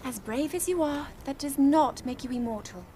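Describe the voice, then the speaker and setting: An earnest young princess scholar. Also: female voice, high voice, normal speed, slight background noise. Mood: worried. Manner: earnest, bursts into excitement. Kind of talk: video game cutscene voice acting.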